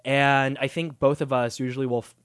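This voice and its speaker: A man's voice: medium pitch, little pitch movement, fairly quick, clean tone. A man in his late twenties, a humor writer and podcast guest, talking in an easygoing way full of fillers and hedges. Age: 20s. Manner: easygoing, filler-heavy, hedging. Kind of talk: casual interview chat.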